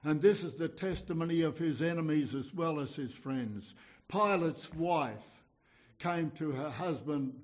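Guy preaching a sermon, kinda high voice for a man, takes his time, earnest and urging. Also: a little slow. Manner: earnest, exhorting. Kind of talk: evangelical sermon.

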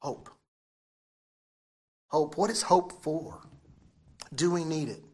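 A man's voice: on the high side, takes it slowly, dark tone, husky. A man preaching a sermon, repeating key phrases and putting questions to his listeners, his articulation slightly impeded by dental braces.

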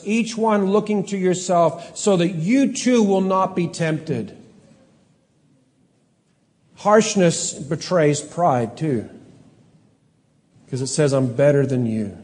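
A middle-aged man from Canada preaching a sermon as pastor, earnest, reading scripture slowly and with emphasis, sometimes correcting himself. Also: high voice, darkish tone. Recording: long hall reverb.

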